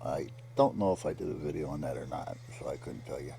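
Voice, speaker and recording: A man's voice: extremely low pitch, fast, gravelly, warm tone. A man giving a casual, rambling voice-over that explains a hands-on DIY repair step by step in a plain-spoken, matter-of-fact way. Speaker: hobbyist narrating a repair project.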